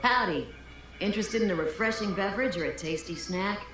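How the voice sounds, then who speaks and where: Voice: medium pitch, fairly quick, lightly acted. A voice actor playing a friendly independent street vendor in a video game. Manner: friendly sales patter. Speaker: game character. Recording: game audio in a roomy space with music.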